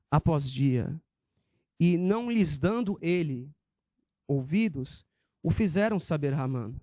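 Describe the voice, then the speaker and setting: Warm, fairly high-voiced preacher. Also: male voice, dry recording. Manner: emphatic, rhetorical, addresses listeners as brethren. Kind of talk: sermon.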